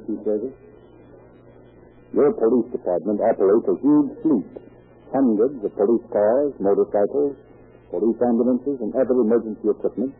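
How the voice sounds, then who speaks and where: Old-time radio announcer, thin and husky. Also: male voice, mid-range voice. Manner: formal, declamatory. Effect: old radio broadcast sound. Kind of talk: 1930s radio announcing and sponsor ad read. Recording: thin lo-fi old radio broadcast, faint music.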